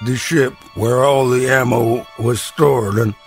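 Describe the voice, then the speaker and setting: A man voicing an old war veteran in a documentary-style interview, gravely recalling combat. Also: mid-range voice, steady tone, slow pace, faint music behind, pitched below the performer's own voice.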